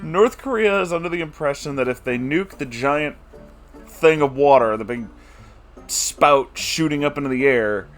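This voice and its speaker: A man's voice: on the high side, animated, normal speed, faint music behind. A man giving a comedic recap of a book chapter, exasperated and incredulous, with laughing asides. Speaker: book reviewer.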